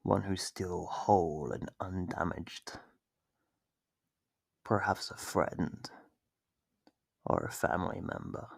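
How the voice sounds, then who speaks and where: A man playing a sadistic monster in an ASMR horror roleplay, taunting captive prey with mock politeness in a gravelly, husky, whispery-edged voice, close to the microphone. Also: low voice, fairly even intonation, slow, pauses often, dry recording, exaggerated voice. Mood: scheming, cruel. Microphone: close, dry microphone.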